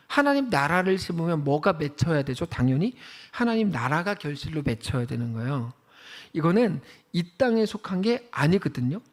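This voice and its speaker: Guy pastor giving a sermon, really high voice, chatty, asks the crowd questions, does little voices. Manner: animated, conversational preaching with rhetorical questions; acts out quoted voices mid-sermon.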